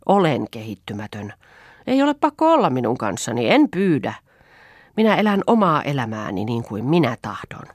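A proud, headstrong young woman from a spoken novel, read by a woman, firing off mocking, rhetorical challenges. Her pitch swings widely from line to line, and the recording is close and dry. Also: a little mellow, dry recording, full character voice.

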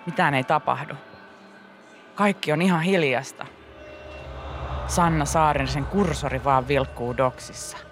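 A woman's voice: sits low, pauses often. A woman radio host telling a spooky story in casual chat, with dramatic, suspenseful delivery. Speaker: radio morning show host. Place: radio studio. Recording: radio studio with music bed.

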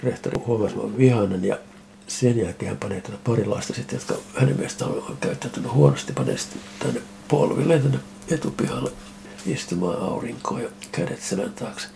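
An older man, a ceramic artist, telling lively anecdotes in a casual interview and acting out the conversations he recalls. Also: lowish voice, vocal fry, a little hiss or hum. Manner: animated anecdotes, acting out quoted exchanges. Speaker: ceramic artist interviewed about his photos.

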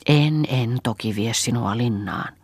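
An anxious farmwife , voiced by a woman reader, coaxes and soothes in a hushed, half-whispered voice. The reading is close and dry, with no room sound. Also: a bass voice, husky, dry recording. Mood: coaxing worry. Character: anxious farmhouse woman, coaxing and fussing.

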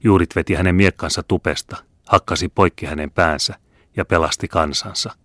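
A man reading the part of a scheming male Jesuit priest in a low, murmuring voice. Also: steady tone, fairly bright tone, dry recording, studio quality. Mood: urging.

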